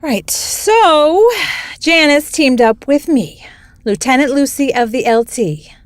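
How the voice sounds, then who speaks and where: A woman's voice: high-pitched, expressive, slow pace, dry recording. A woman playing an odd, spacey wasteland dweller with a quirky, rambling way of talking in a comedy audio drama.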